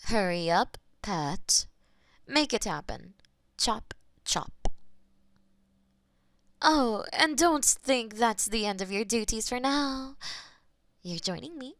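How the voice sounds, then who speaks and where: A woman's voice: fairly high pitch, animated, slow pace, pauses often, no room sound, exaggerated voice. Woman doing a possessive demon lady, taunting, drops to whispers, takes her time. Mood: bossy. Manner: teasing and possessive, slipping into soft whispers. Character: possessive, taunting wealthy female demon mistress. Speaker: audio roleplay performer. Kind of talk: scripted audio roleplay.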